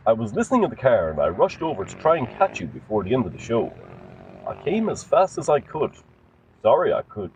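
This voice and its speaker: Man voicing smug low-voiced money man, lively delivery. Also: fairly quick, dull audio, a little hiss or hum, natural voice. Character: smug slow-talking man posing as a rich benefactor.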